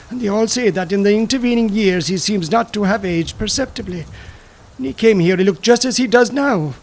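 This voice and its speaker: A man voicing a reluctant male companion who speaks in a hesitant, measured way. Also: high voice, a little mellow.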